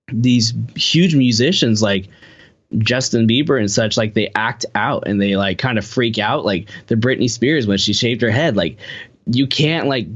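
A young man talking as a guest musician on a podcast, rambling casually with a lot of "like" in his sentences. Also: lowish voice. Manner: rambling, heavy use of filler "like".

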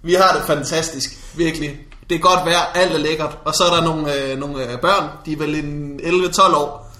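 Man, higher voice, playful, mock calm, casual chat, echoey. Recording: echoey room.

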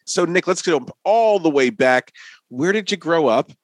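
A man's voice: on the high side, animated, measured pace, dry recording. A man co-hosting an interview podcast, upbeat and chatty as he introduces a guest. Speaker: podcast co-host.

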